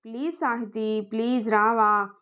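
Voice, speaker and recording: A woman's voice: fairly high pitch, fairly even intonation, measured pace, fairly bright tone, smooth. A woman voicing a playful young husband in a story, speaking in a coaxing, affectionate way.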